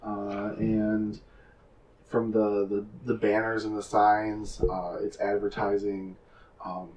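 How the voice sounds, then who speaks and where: A man running a tabletop game as game master, describing scenes with many pauses and fillers. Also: fairly low pitch, completely flat delivery, a little mellow, far from the mic, poor audio. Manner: hesitant, filler-heavy describing.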